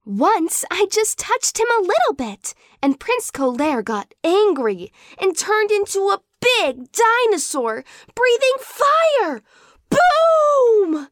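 A woman voicing a giggly young girl in a storybook reading, slow and sing-song. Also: very high voice, sing-song, no room sound, studio quality, pitched above the performer's own voice, heavily acted. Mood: scared.

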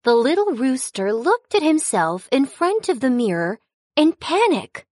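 A woman narrating a children's story in an expressive storytelling manner. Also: sits high, a little slow, dry recording, clean studio sound.

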